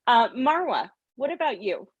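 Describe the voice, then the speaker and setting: A middle-aged woman moderating a panel in a friendly, brisk, polite way on a video call. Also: on the high side, sing-song, husky, dry recording, highs cut off.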